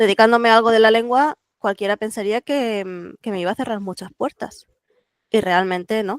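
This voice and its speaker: Speaking at a fairly quick pace with ordinary pitch variation, a woman with a Catalan accent is heard in a dry, close sound with no echo. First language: Catalan (speaking Spanish). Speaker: literary translator. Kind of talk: interview conversation.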